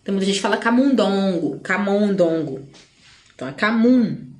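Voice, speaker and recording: A woman's voice: mid-range voice, quick pace, a little mellow, reverberant. A woman from Espírito Santo, Brazil, teaching an exam-prep lesson in a chatty way, with playful asides and many tag questions. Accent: Brazilian Portuguese, Espírito Santo.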